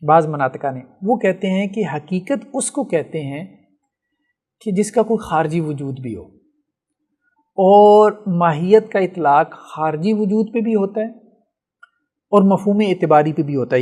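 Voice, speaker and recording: A man's voice: fairly high pitch, lively intonation, a little mellow. A man teaching a logic lesson, explaining step by step and answering his own questions. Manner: often checks with "theek hai". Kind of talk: classroom lecture.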